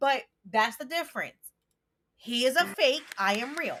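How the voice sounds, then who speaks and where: A woman with a North Jersey accent is shouting in a high pitch with very wide pitch swings. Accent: North Jersey accent, New York-like. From northern New Jersey (Paterson, Totowa). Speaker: podcast co-host. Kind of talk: casual chat. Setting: live stream at home. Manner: loud, yelling.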